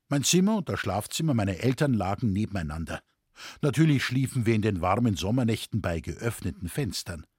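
A man reading a story aloud as a calm, measured narrator. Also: mid-range voice, husky, dry recording, clean studio sound. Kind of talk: scripted narration.

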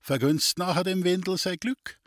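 A man's voice: sits high, normal speed, a bit bright, no room sound, clean studio sound, pitched above the performer's own voice. A man voicing a sly, scheming male vagabond trickster in an audiobook, coaxing and insistent in dialect. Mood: wheedling. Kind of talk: audiobook character reading.

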